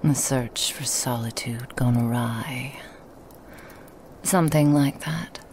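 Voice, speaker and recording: A woman's voice: extremely low pitch, slow pace, a little hiss or hum. A woman playing a sly Christmas demoness. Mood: teasing whisper. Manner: soft whispering, teasing and insinuating. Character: seductive female Christmas demon, sly and menacing. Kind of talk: ASMR roleplay.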